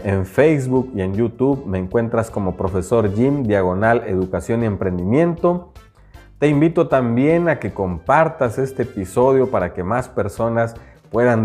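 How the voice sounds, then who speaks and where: A man's voice: medium pitch, darkish tone. A man from southern Veracruz with a Mexican accent, whose first language is Nahuatl, hosting a motivational spiritual podcast and speaking earnestly to the listener. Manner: earnest, speaks straight to the listener with repeated declarations. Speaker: podcast host, teacher. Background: faint background music.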